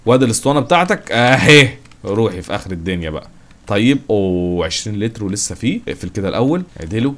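A man with an Egyptian accent giving let's-play commentary, joking and excitable, talking to his viewers and to the game's characters. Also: on the low side, quick pace. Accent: Egyptian Arabic. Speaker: gaming channel host.

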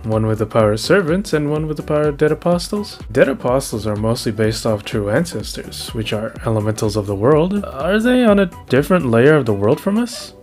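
A man's voice: medium pitch, lively intonation, fairly quick, few pauses, darkish tone, faint music behind, natural voice. A man voicing an earnest, nerdy young male anime protagonist in an amateur comic dub. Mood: curious.

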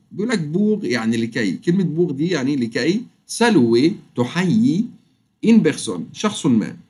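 A man with an Egyptian Arabic accent teaching a French lesson online, drawing the French phrases out slowly before explaining them. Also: mid-range voice, husky. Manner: fast, lively explaining, drawls French words out slowly.

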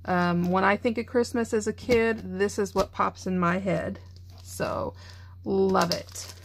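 A woman's voice: mid-range voice, fairly even intonation, moderate pace. A middle-aged woman chats through a casual craft vlog. She sounds tired but gushes with enthusiasm. A faint noise sits under her voice. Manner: chatty, enthusiastic, gushing. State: tired, yawning. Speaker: craft channel host. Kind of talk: casual show-and-tell vlog.

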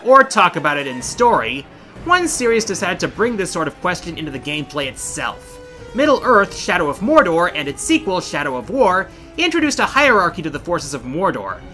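A middle-aged man hosting a video game countdown narrates a scripted video essay with an emphatic, theatrical delivery, his voice high and sharp.

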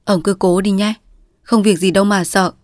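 A woman voicing a stern, calm old male doctor who speaks firmly and briefly. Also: mid-range voice, moderate pace, no echo, clean studio sound, lightly acted. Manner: calm, firm, unmoved.

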